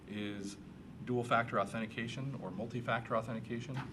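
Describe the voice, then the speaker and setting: A man talks at a fairly quick pace with a medium pitch and fairly even intonation. Noticeable background noise and audible room echo fill the recording. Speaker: city IT director presenting to council. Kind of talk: council meeting presentation. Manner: fast.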